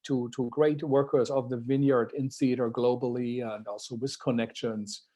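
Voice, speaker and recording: A man's voice: medium pitch, little pitch movement, moderate pace, warm tone. Hesitant male host with many fillers. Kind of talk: hosting a livestreamed interview. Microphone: video call.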